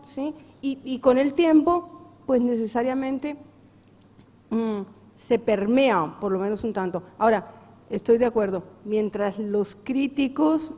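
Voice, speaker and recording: A woman's voice: high-pitched, warm tone. A woman from Latin America speaking earnestly at a round-table discussion, often seeking agreement with short questions. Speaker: panelist poet. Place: large historic hall. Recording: reverberant hall.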